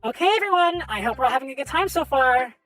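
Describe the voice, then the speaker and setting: Brief: woman doing a high, quick, voice-changer-shifted confident schoolgirl president, upbeat group address. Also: lively intonation, fairly bright tone, soft background music. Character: confident teenage girl club president. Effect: voice changer raising the pitch. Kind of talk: reading a visual novel aloud.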